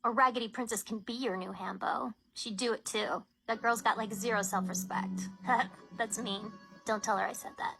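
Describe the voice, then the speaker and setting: A woman playing a snarky, casual young woman in a cartoon, with a creaky voice and offhand delivery. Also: medium pitch, steady tone, moderate pace, few pauses, over music, lightly acted, poor audio. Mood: offhand, teasing.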